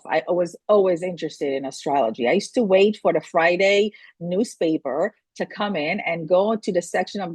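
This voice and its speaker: Woman from Israel, middle-aged, low voice, earnest, halting phrasing, dry close sound. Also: a little mellow, husky, no echo. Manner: earnest, with frequent restarts and non-native phrasing. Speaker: guest, astrology and feng shui consultant. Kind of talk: interview answers.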